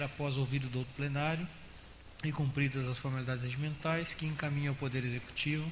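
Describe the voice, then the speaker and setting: In a council chamber, a man with a Brazilian accent reads council motions aloud, his mid-range voice steady, measured, and official. The audio echoes around the chamber and carries a faint hiss.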